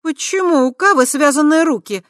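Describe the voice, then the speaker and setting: A reader voicing a young red-haired sorceress who talks in a high, emotional, insistent way. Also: female voice, moderate pace, no room sound, studio quality, lightly acted. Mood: indignant.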